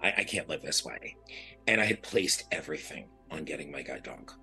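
A man from New York speaks in an earnest, reflective way, circling back and restarting as he thinks. His voice sits very low in pitch, yet the tone is bright and forceful. Soft music runs faintly underneath. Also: expressive, a little fast. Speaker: guest, blind advocate. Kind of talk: candid podcast interview.

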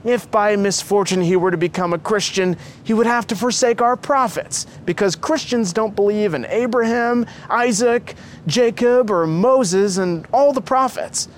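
A man's voice: high-pitched, measured pace, slight background noise, voice pushed up. A man voicing a fierce, anguished mother of a young man, accusing and lamenting, in a story reading. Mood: agitated, lamenting.

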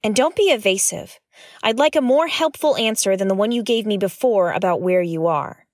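A woman's voice: mid-range voice, normal speed, no room sound, studio quality, lightly acted. A woman playing a blunt, suspicious space explorer in a science-fiction audio drama, with an exasperated, sarcastic and emphatic delivery. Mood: pointed, impatient.

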